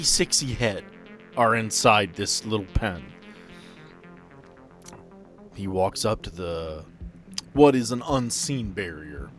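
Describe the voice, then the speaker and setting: Animated male game master over music. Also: medium pitch. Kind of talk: narrating a tabletop role-playing game.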